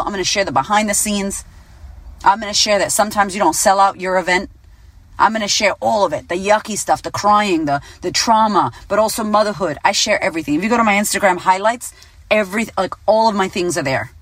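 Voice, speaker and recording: A woman in her late thirties, a business coach giving a casual motivational talk, blunt and animated, swearing freely. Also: mid-range voice, fairly quick, dry recording. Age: 30s. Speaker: business coach and podcast host.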